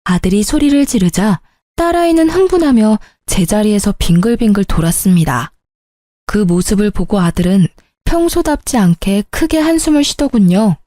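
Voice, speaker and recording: A middle-aged woman telling a first-person story as a mother, in a gentle, soothing, motherly tone. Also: medium pitch, expressive, moderate pace, no echo, studio quality.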